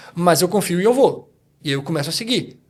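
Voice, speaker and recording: Very fast and high-pitched, a man speaks with ordinary pitch variation. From Rio de Janeiro, Brazil. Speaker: hospital chaplain. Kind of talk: podcast interview. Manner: conversational, with hesitations.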